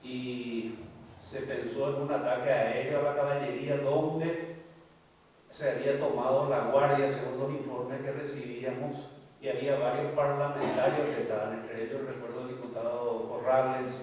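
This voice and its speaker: An older man with a Paraguayan Spanish accent, giving formal courtroom testimony in a measured way, often restarting his phrases. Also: medium pitch, darkish tone, a little hiss or hum. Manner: measured, recounting events with frequent restarts. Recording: echoey hall, distant mic, faint ambience.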